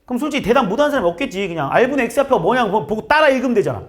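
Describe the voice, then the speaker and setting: A man's voice: very high voice, sing-song, racing. A man teaching a math class, talking casually and directly to his students and acting out their answers.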